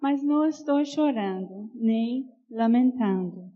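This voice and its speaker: An older woman from Canada with a Northeastern Brazilian accent, calmly sharing her life story in church and reading a poem. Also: fairly high pitch, slow pace, lo-fi sound. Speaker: pastor's wife sharing testimony.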